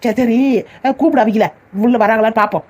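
Woman voicing cartoon girl, firm, matter-of-fact, brisk, a little high. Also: fairly even intonation, a little mellow, natural voice. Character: bossy, level-headed girl hushing her grandmother. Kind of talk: cartoon comedy voice acting.

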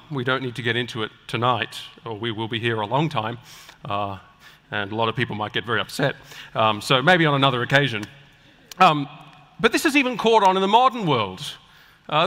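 A man preaching a sermon to a live audience with an emphatic, deliberate delivery and rhetorical pauses, in a large hall. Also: mid-range voice, pushed and bright. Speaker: preacher and guest speaker at a church conference. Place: large indoor auditorium, speaking on stage. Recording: echoey large hall with long reverb.

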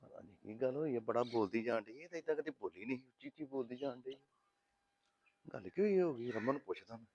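A man playing a calm, mild-mannered husband in a family drama. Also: medium pitch, quick pace, lightly acted. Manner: easygoing, mild. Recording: dull lo-fi sound.

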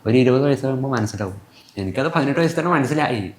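A nineteen-year-old vlogger answers interview questions in rambling, self-correcting sentences packed with fillers. His mid-range voice is animated, fast and a little mellow, recorded in an echoey room with faint background noise.

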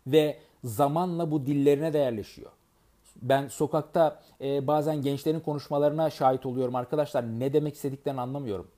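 A man giving earnest, advising talk to his audience as a network marketing trainer, pausing often with fillers and restarts. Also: medium pitch, fairly even intonation, mellow. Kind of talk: advice monologue to an audience.

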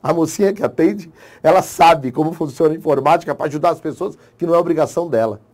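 A man with a Brazilian accent, an online course teacher giving an emotional motivational talk to exam candidates, swinging between soft and loud. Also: on the high side, quick pace. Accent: Brazilian Portuguese.

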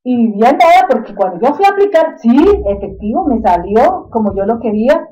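High-voiced Colombian woman instructor, mellow. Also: very animated, normal speed, highs cut off. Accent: Colombian, Bogotá. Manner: emphatic, repeats phrases for stress, addresses listener directly. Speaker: online software instructor. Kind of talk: informal motivational talk to students in a screen-recorded tutorial.

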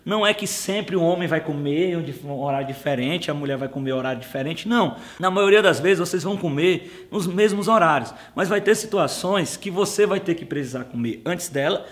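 A man doing a comic monologue about married life to camera, animated and jokey. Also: on the high side, a little fast, few pauses. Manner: animated, jokey, exaggerated complaining. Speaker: co-host of a couples channel.

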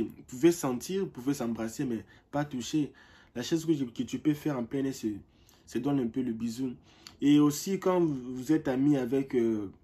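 A young man telling stories in a casual vlog, animated and often repeating words while he searches for the next one. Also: mid-range voice, husky. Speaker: vlogger. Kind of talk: casual vlog talk to camera.

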